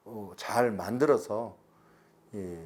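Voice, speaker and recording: A middle-aged man, giving a recorded lecture slowly and deliberately, stretching words and pausing. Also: fairly low pitch, darkish tone. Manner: slow, deliberate explanation with drawn-out words and pauses.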